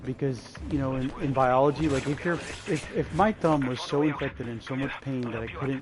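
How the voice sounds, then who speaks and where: With an American accent, a man talks at a fairly quick pace with ordinary pitch variation over noticeable background noise. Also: fairly high pitch for a man. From Minnesota, US Midwest. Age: 40s. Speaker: gaming streamer and podcaster. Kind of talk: casual talk while gaming live, personal testimony about mental health. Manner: hesitant with many fillers.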